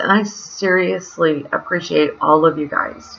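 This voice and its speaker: A woman has an unremarkable speaking voice. Her pitch is fairly low, with ordinary variation. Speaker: Bible teacher, online video host. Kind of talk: Bible study talk to camera. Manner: casual, conversational.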